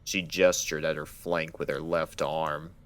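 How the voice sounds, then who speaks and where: A man's voice: a bass voice, little pitch movement, unhurried, fairly bright tone. A man reading scripted fan fiction as the narrator of a dramatic story.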